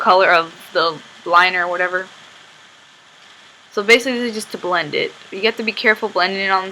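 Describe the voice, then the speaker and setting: Over noticeable background noise, a woman talks fairly quickly at medium pitch with fairly even intonation. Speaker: beauty vlogger. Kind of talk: tutorial. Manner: halting, self-correcting; casual, rambling.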